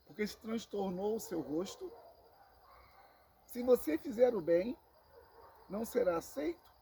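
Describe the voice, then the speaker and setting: A Brazilian man with a Brazilian Portuguese accent teaching a Bible sermon, slow and emphatic, repeating phrases and calling listeners brothers. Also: high voice, big pitch swings, gravelly, mellow, a little hiss or hum. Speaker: preacher.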